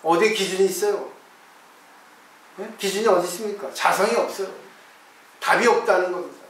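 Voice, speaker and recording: High-voiced monk in an echoey hall. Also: male voice, a little fast, fairly bright tone, recorded from a distance. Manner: conversational, asks listeners rhetorical questions; acts out his own replies to disciples. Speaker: Buddhist monk teaching. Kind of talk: dharma talk on a Zen text. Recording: very echoey room, voice from off the mic.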